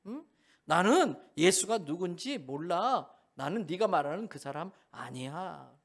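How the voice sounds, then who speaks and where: A man's voice: sits high, very animated, unhurried, exaggerated voice. A man preaching, voicing a frightened adult disciple who emphatically insists and then denies in a church sanctuary. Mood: denying. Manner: emphatic, protesting.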